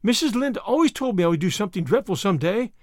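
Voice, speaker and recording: A man's voice: sits high, very animated, brisk, no echo, clean studio sound. A man voicing a young imaginative girl, impulsive and dramatic, speaking in a breathless, distressed way. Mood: distraught.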